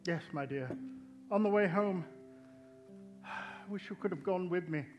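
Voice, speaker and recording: A man's voice: high voice, unhurried, over music. An actor playing a tender father mourning his child in a live radio play, subdued and sorrowful. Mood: subdued sadness. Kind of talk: theatrical radio play acting. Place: theatre stage, live before an audience.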